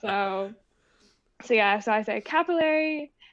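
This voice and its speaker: A woman talks with an American accent and lively intonation. The background is quiet. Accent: American with slight picked-up UK tinge. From United States, military family moving often. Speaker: PhD researcher. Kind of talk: casual interview chat.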